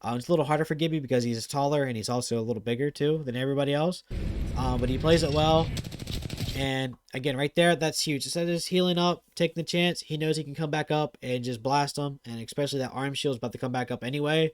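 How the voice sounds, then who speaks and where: A man hosting a gaming channel, giving casual commentary over viewer clips; he talks fast and gets excited, with lots of fillers. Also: mid-range voice, a little hiss or hum.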